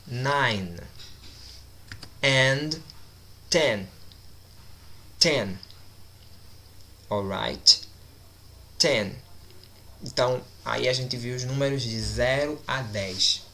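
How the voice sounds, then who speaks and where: A man teaching English numbers, speaking deliberately and repeating each word several times for his students. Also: medium pitch, pushed and bright, slight background noise. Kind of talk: recorded language lesson.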